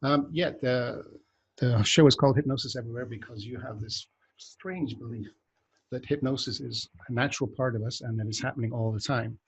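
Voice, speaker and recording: Gravelly-voiced man hosting a podcast. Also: mid-range voice, fairly quick. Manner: rambling, self-interrupting, joking. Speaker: podcast host. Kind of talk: casual podcast chat.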